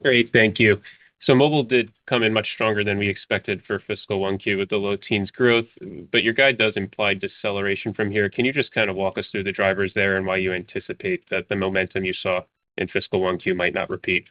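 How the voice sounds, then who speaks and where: A man's voice: fairly low pitch, steady tone, a little fast, no room sound. A man calling in as a financial analyst, asking a formal question on an earnings call. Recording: muffled conference call audio.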